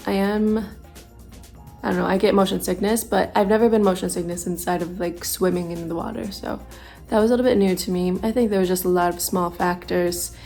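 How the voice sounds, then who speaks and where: Speaking candidly to camera, a woman vlogs about her freediving course, thinking aloud as she reflects. Her medium-pitched voice has a darkish tone and vocal fry, and she sounds congested and stuffy.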